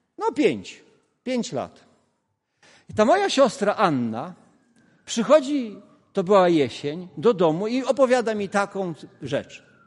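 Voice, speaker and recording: Very slowly, a man talks in a high voice with long, frequent pauses. His pitch swings very widely. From Poland, Kashubia. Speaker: preacher. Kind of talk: sermon. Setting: church service.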